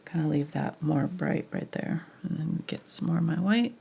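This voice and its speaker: A woman with a low, husky voice, congested from a cold, guides a live painting tutorial. Her delivery is casual and murmured, trailing off as she works, with a gravelly creak. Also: normal speed, dark tone. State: sick with a cold, sniffly, audible breathing. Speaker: painting instructor, live show host.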